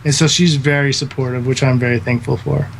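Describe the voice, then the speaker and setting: A man's voice: mid-range voice, fairly even intonation, fairly quick, creaky, slight background noise, low-quality recording. A man in his thirties, a guest esports caster, talking earnestly in a casual podcast interview, with lots of fillers. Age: 30s. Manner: earnest, rambling with many fillers.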